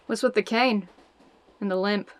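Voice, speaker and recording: A woman's voice: mid-range voice, fairly even intonation, moderate pace, close to an everyday voice. A woman playing a hard-drinking, sardonic spy in an audio drama, blunt and brash, grieving a lost love. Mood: curt, dry. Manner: sardonic, blunt, foul-mouthed.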